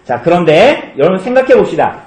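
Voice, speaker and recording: A male pastor giving a children's sermon, asking the kids questions and answering them in a lively way. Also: high-pitched, fairly quick, reverberant. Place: church.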